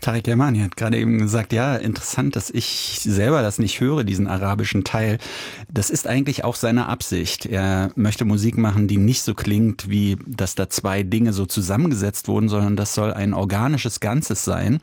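A man hosting a radio interview, summing up his guest's words in a gravelly, somewhat low voice. He paraphrases briskly and explains as he goes. The sound is close and dry. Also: a little mellow, dry recording. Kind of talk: radio interview, summarizing in German.

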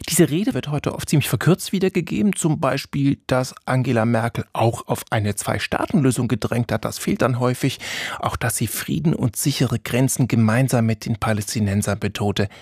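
Gravelly, husky male radio host. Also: mid-range voice, no echo. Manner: measured, articulate questioning. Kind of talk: radio interview. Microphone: studio microphone. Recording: dry studio sound.

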